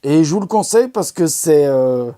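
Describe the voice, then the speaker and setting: His voice sits on the high side, dark in tone and expressive, moving at a normal pace. As the host of an amateur astronomy video, he rambles happily through documentary recommendations, full of fillers and restarts, in casual recommendation mode.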